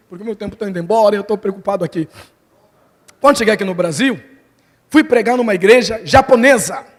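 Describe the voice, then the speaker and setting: A missionary preacher telling a personal story in a sermon, acting out the voices of the people in it. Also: male voice, extremely high pitch. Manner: animated storytelling, acts out quoted voices. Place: large church hall. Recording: long hall reverb from the church.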